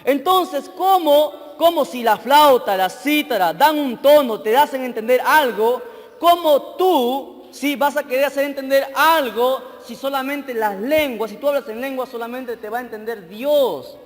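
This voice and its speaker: A man, an evangelist preaching a sermon, who keeps asking his listeners short questions and swings between loud reading and quiet asides. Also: extremely high pitch, unhurried, big-room sound. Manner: teaching, asks the crowd short questions.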